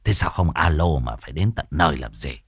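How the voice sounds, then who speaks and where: A man's voice: extremely low pitch, animated, fairly quick, husky, dry recording, clean studio sound, pitched below the performer's own voice, exaggerated voice. A man doing a meek stammering bony old man. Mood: flustered. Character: skinny timid stammering older man.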